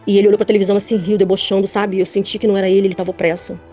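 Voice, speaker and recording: Fast-talking fervent middle-aged Brazilian woman. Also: medium pitch, flat delivery, warm tone, faint music behind. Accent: Brazilian Portuguese. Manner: fervent, addresses listeners as brothers and sisters. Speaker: church member giving a testimony. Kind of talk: personal faith testimony.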